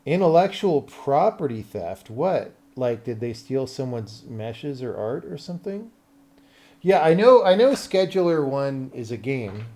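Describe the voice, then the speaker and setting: A man's voice: medium pitch, sing-song, measured pace, dark tone. A man live-streaming as a game developer, chatting casually and thinking aloud as he works, often muttering questions to himself. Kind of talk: casual livestream chat, thinking aloud while working.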